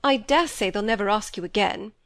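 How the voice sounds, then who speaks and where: A woman's voice: mid-range voice, fairly quick, fairly bright tone, dry recording, natural voice. A woman voicing a fussy, self-pitying middle-aged stepmother who complains and talks over others, with a dry, close sound. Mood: peevish.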